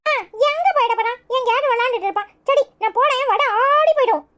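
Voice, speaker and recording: A woman's voice: very high voice, quick pace, a bit bright, pitched above the performer's own voice. A woman doing a chirpy little village girl. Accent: Tirunelveli Tamil. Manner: chirpy, sing-song chatter. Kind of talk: cartoon voice acting.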